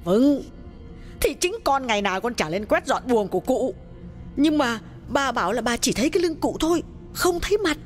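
A woman's voice: sits high, lively intonation, moderate pace. Woman doing polite nervous young girl, respectful, faint music under. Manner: polite, deferential, calls herself "con". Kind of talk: audiobook character reading.

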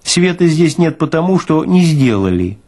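A man's voice: fairly high pitch, very animated, moderate pace, darkish tone, pitched above the performer's own voice. A man voicing a burly, smirking senior morgue orderly in an audiobook, with a folksy, mocking, philosophizing way of talking. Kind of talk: dramatized audiobook character reading.

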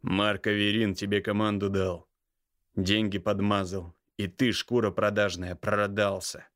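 A seething older brother in an audiobook, voiced by a male reader close to his own low voice. He growls slow, menacing threats with open contempt. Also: level tone, a bit bright. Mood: furious, menacing. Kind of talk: audiobook character voice.

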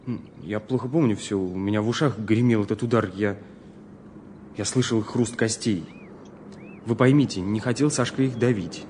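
An actor playing an earnest, troubled young student who speaks haltingly and seriously in an audio drama. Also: male voice, on the low side, darkish tone, a little hiss or hum, natural voice. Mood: distressed, pleading. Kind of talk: Russian audio drama acting.

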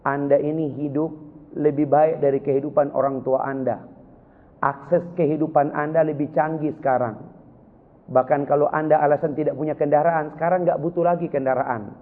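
A man preaching a sermon from Sulawesi, lively, with sudden high emotional cries. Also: moderate pace. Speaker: Islamic preacher. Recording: tinny lo-fi with long hall reverb.

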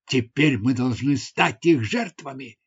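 A man's voice: medium pitch, a little slow, husky. A man reading an audiobook, voicing a frightened, resigned male tribal warrior in a grim, pleading manner, on a dull lo-fi recording.

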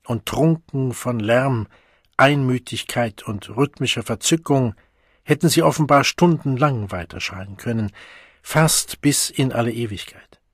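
A man narrating an audiobook in a measured, dramatic way, recorded close on a studio mic. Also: medium pitch, slightly rough, no room sound.

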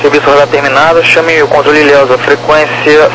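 A man's voice: a little high, flat delivery, brisk. A man working as an air traffic controller, giving clipped procedural instructions over a two-way radio, like police radio. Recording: noisy aviation radio with hum.

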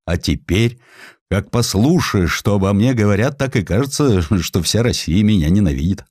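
A man's voice: fairly low pitch, lively intonation, normal speed, darkish tone, dry recording, clean studio sound. A man voicing a proud, aggrieved older doctor of imperial Russia in an indignant, declamatory manner for a dramatized audiobook. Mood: wounded, puzzled.

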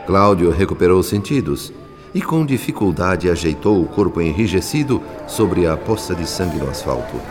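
A man with a Brazilian accent narrating a radio soap as a solemn witness, grave, theatrical and measured. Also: low voice, expressive, music in the background. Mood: dramatic, urgent. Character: solemn male spirit narrator recounting a tragedy.

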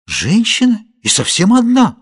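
A man reading a novel aloud, voicing a kind, motherly woman who gently comforts a stranger. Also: deep voice, very animated, a little fast. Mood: startled. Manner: gentle, soothing, compassionate.

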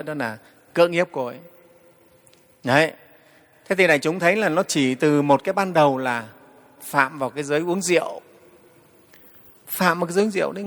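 A man, a Buddhist monk giving a storytelling dharma talk to the assembly, often pausing on "đấy". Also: a little high, fairly bright tone, in a large hall. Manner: storytelling, frequent "đấy" fillers, addresses the assembly.

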